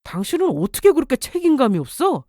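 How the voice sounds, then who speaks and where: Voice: high voice, sing-song, quick pace, a little mellow, dry recording, clean studio sound. A voice actor playing a cold young husband who blames his wife in a radio drama. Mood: accusing. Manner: cold, accusing.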